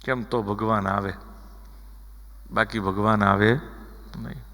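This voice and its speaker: A man's voice: fairly low pitch, steady tone, takes it slowly, fairly bright tone. A man giving a devotional sermon, telling a story and asking and answering his own rhetorical questions before a seated audience. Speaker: religious storyteller preacher. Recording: hall reverb with music behind.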